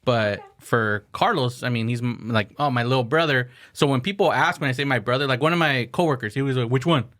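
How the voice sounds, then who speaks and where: A man's voice: mid-range voice, fairly quick. A man in his forties, a guest on a comedy podcast, chatting casually and laughing often as he tells stories. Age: 40s. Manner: laughs often, animated storytelling. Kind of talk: casual chat.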